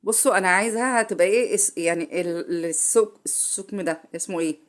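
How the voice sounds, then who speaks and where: A woman's voice: medium pitch, fast. An Egyptian woman with a cold talks viewers through a recipe in her home kitchen. Her delivery is casual and chatty, aimed straight at the viewer, and she often stops to correct herself. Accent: Egyptian Arabic. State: has a cold. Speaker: home cook. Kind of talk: casual cooking tutorial.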